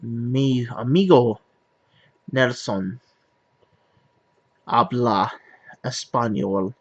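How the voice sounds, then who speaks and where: An American man, a native English speaker, practicing a foreign language in a halting way, restarting and searching for words. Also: medium pitch. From United States. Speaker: language learner. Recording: slightly dull lo-fi recording.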